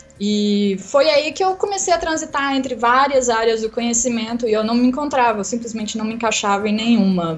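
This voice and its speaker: A woman's fairly high, lively voice at a fairly quick pace with hardly any pauses, over noticeable background noise. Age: 20s. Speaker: theologian and philosophy graduate, YouTuber. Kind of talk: interview conversation.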